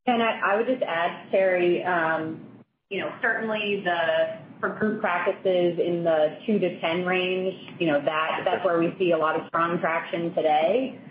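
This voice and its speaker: A woman's voice: fairly low pitch, fairly even intonation, a little slow. Woman executive on echoey phone line. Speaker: company finance executive. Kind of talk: earnings call answers. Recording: echoey, tinny conference phone line with noise.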